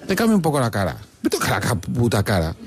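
A man's voice: medium pitch, wildly swooping pitch, fast, a crowd in the background. An older man, co-hosting a comedic chat show and grumbling in exasperated rants. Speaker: podcast co-host.

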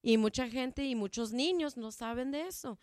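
This woman speaks Spanish as a native English speaker, describing her jazz program in a casual interview. Her voice is on the high side with a darkish tone, the sound is studio quality with no room sound, and she restarts often and uses lots of fillers, giving a halting feel.

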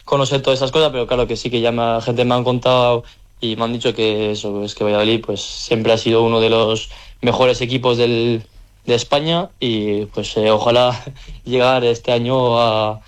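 A young handball player from the Country, answering interview questions casually, with lots of hesitant fillers. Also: male voice, medium pitch, level tone, moderate pace, smooth. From French Basque Country.

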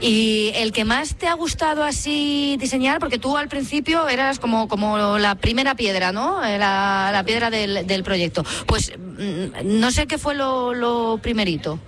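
A woman's voice: on the high side, measured pace, hardly any pauses, a bit bright. A woman reporter interviewing a guest on location, asking chatty, prompting questions.

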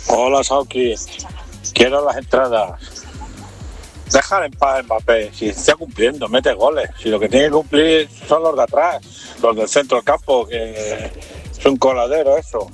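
A man's voice: medium pitch, measured pace. A man calling in to a sports radio show, blunt and complaining, in a recorded voice message. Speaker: listener calling in. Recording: voice message over faint music.

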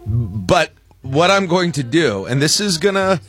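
An American man hosting a morning radio show with casual, joking banter and halting self-corrections, close on a studio microphone. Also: on the high side, very animated, fairly bright tone, slightly rough, soft background music.

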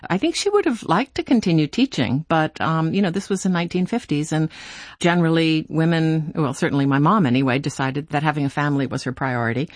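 A woman's voice: low-pitched, fast talker, dry recording, clean studio sound. A woman in her sixties, answering interview questions thoughtfully with frequent "you know" and light laughs. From United States. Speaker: author and guest.

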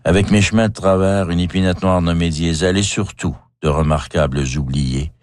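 Wry older Québécois man, deep voice. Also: fairly even intonation, dry recording, studio quality. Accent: Québécois French. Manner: wry, measured, self-mocking. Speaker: author narrating his own life. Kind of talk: scripted memoir narration.

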